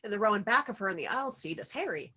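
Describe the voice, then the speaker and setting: A woman's voice: mid-range voice, animated, racing, sharp tone, slightly rough. Narrator for a table read: woman with mid-range voice, reading scene directions.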